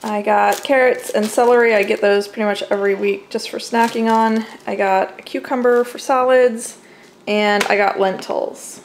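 A woman's voice: medium pitch, steady tone, moderate pace. A young adult American woman narrating a casual, chatty home vlog from her kitchen, recorded on a camera mic. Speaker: home vlogger showing groceries. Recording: clearly noisy home camera audio.

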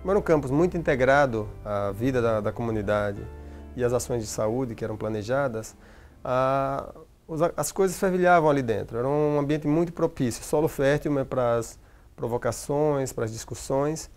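A man's voice: medium pitch, normal speed, a little mellow, faint music behind. A man, a former campus director, speaking thoughtfully and hesitantly in an interview.

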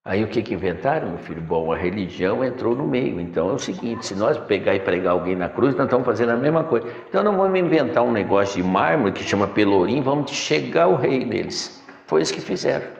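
Middle-aged man, spiritual teacher, gravelly voice, preachy lecture, roomy reverberant hall. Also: fairly low pitch, animated, fast, muffled recording, slight background noise. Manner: preachy, addresses listeners as "my son". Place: decorated room, seated on a throne-like chair. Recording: echoey room with long reverb.

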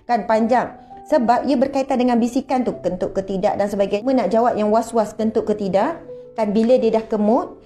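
Lively Malaysian woman teaching religion. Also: on the high side. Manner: lively, conversational, with rhetorical questions and asides. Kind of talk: religious lecture.

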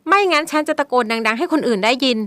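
A woman voicing a frightened young woman, high and pleading. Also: fast talker, sharp tone, no echo. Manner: high-pitched, pleading, shaky.

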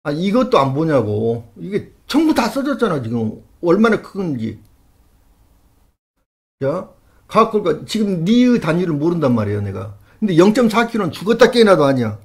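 A man with a gravelly, slightly raised voice reads old records aloud and keeps stopping to dispute them. He talks with an incredulous, argumentative push and pushes certain points loudly. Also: sits high, big pitch swings. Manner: incredulous, argumentative, quick rises to loud emphasis. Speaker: history channel host. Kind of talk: reading old texts aloud with commentary.

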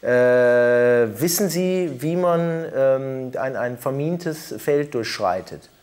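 A man using a disguised deep voice to play a deadpan male hotline operator on a prank phone call, slow and hesitant with many fillers. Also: clear, resonant tone. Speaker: TV show host posing as ticket hotline operator.

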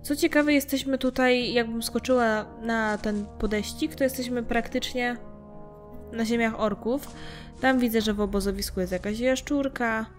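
A woman's voice: on the high side, fairly even intonation, moderate pace. A young adult woman giving casual let's-play commentary, chatting and muttering to herself as she plays. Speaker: gameplay streamer. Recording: game music faintly behind.

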